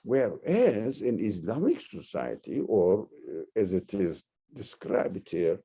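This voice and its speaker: A man from Turkey, teaching religion in a discussion, halting and searching for words, then rising sharply to stress key points. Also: lowish voice, big pitch swings, vocal fry, mellow, breathy edge. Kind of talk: lecture-style discussion.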